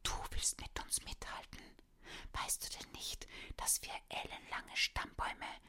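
A woman's voice: unhurried, natural voice. A woman whispering the part of a huge, haughty black stallion. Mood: scornful.

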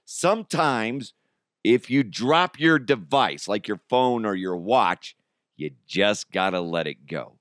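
A man's voice: on the low side, animated, slow pace, a bit bright, no room sound. Casual American man hosting a podcast, dry sound. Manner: informal, slangy, conversational; chuckles through his own remarks. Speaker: podcast host. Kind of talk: casual solo comedy podcast chat.

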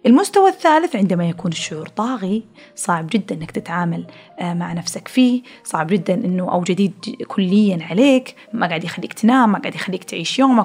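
Fast-talking husky woman host. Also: mid-range voice, a little mellow. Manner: chatty, explains by everyday comparisons, frequent restarts. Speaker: podcast host. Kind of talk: casual explanatory talk.

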